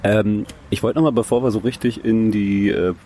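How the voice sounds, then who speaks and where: A man's voice: fairly low pitch, steady tone, moderate pace, dark tone. A man from Berlin hosting a podcast interview outdoors, talking casually with lots of hesitations and restarts. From Berlin, Germany. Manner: hesitant, many fillers and restarts. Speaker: podcast host. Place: outdoors on a hot windy day. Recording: outdoor recording with light wind noise.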